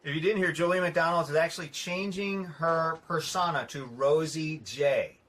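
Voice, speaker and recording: A man's voice: fairly high pitch, normal speed, a bit bright, a little hiss or hum. A man hosting a radio show, talking enthusiastically as he promotes his guest. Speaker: radio host. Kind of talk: radio talk show chat.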